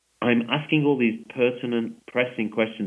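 A man speaks with an English accent at medium pitch. His pace is fairly quick. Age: 60s. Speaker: journalist and author. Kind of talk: interview. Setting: remote call.

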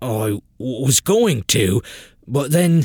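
Put-on character voice from a man, raspy and medium in pitch, with lively intonation. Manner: stammering, hesitant.

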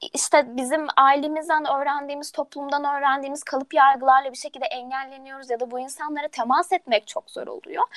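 A woman speaks at a fairly quick pace with a high pitch and fairly even intonation. The sound is dry and close, with no echo. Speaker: psychology undergraduate student. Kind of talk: interview.

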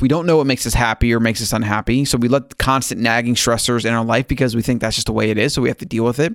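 A medium-pitched man's voice at a very fast pace with hardly any pauses. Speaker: podcast host and founder. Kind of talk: solo podcast monologue. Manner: fast talker; casual, enthusiastic.

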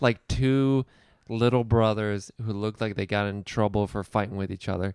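Recorded very cleanly with a silent background and a dry, close sound with no echo, a man speaks at a moderate pace with fairly even intonation. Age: 30s. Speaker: podcast host and comedian. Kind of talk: casual chat. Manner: halting.

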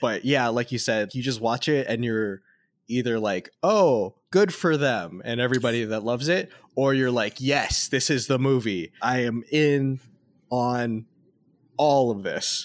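There is an unremarkable speaking voice here, a man at a medium pitch with ordinary pitch variation and a fairly slow pace, in a very clean recording with a silent background. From Las Vegas, Nevada, US. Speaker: movie podcast co-host. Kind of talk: casual chat.

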